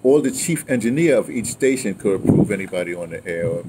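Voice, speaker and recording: A man's voice: lowish voice, fast talker. An American man in his sixties telling stories casually in a rambling, digressive way, full of check-in tags. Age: 60s. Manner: animated, rambling, digressive, often ending phrases with "right?" and "you know". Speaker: guest recounting his radio history. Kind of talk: casual conversational storytelling. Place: outdoors, by a house with a wooden awning. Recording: clear background ambient noise outdoors.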